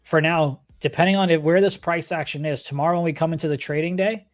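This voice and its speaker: Higher-voiced man chatting casually over music. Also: steady tone, quick pace. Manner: informal, conversational, addresses viewers directly. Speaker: livestream host and stock trader. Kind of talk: casual live chart commentary, chatting to viewers. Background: background music.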